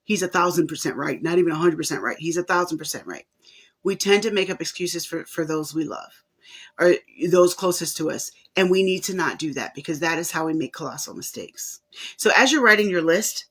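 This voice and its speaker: A woman's voice: fairly low pitch, a little fast, a bit bright, breathy edge. Woman doing a casual live stream, emphatic, keeps repeating her points and reading out comments. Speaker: host of a life coaching show.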